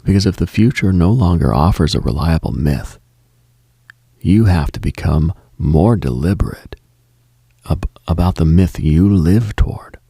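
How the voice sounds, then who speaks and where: A man hosting a late-night radio show, speaking in a slow, reflective monologue that often sinks into a whisper and lists ideas in short measured phrases. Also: expressive, mellow, dry recording. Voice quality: gravelly low voice, often dropping to a whisper.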